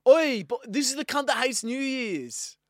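Cocky pre-teen Australian eshay played by a man, brash slang, raised pitch, loud delivery. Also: lively intonation, a little slow, dry recording, studio quality, heavily acted. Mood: brash heckling. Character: cocky twelve-year-old Australian eshay street lad.

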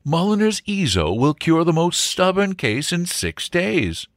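An earnest young suitor in a comic storybook, performed by a man. He speaks formally and precisely, like a smooth salesman, with very varied intonation and a dry, close sound. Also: on the high side, big pitch swings, unhurried, no echo, voice pushed up. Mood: confident, salesmanlike.

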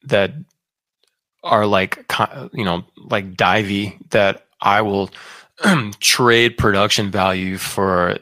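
A man musician in a casual live chat, talking in a relaxed, drawn-out, easygoing way. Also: lowish voice.

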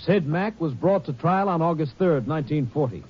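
A man's voice: a little high, expressive, moderate pace, breathy edge. A man giving solemn scripted narration as an announcer on a 1950s radio drama. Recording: dull old radio, faint music.

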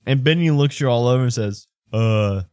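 A man's voice: medium pitch, fast talker, a little mellow, dry recording. Male game master and host, mid-range voice, casual improvised narration, dry recording.

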